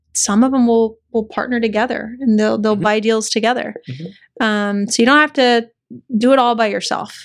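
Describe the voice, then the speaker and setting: In a very clean recording with a silent background, a woman with an American accent uses an unremarkable speaking voice, fairly high in pitch, at a fairly quick pace with fairly even intonation. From West Texas, El Paso. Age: 40s. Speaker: real estate agent and investor. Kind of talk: casual interview.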